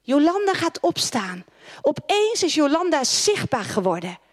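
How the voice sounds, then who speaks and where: A woman's voice: high voice, very animated, measured pace. A woman preaching a sermon to a congregation, impassioned, with repeated declarations and commands. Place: church hall with congregation.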